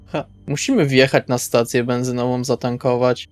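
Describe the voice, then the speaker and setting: A man's voice: mid-range voice, flat delivery, normal speed, clean tone. A man in a tabletop role-playing game, speaking colloquially and wryly as he improvises and narrates his character. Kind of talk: improvised in-character chat and third-person narration. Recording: music under the voice. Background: background music.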